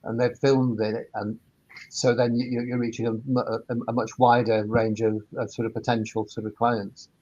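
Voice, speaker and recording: A man speaking as an expert panellist in an informal discussion, explaining in a halting way and often repeating his words. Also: medium pitch, level tone, darkish tone, highs cut off. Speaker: webinar panellist, sound engineer turned workspace operator.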